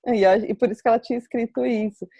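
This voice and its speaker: A Brazilian woman with a fairly high voice hosts a live webinar over a video call. She explains earnestly and reflectively, drawing on her own experiences. The sound is dry and close, with no room echo. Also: steady tone, quick pace, warm tone, husky. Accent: Brazilian Portuguese. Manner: earnest, explanatory, personal examples. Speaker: webinar host.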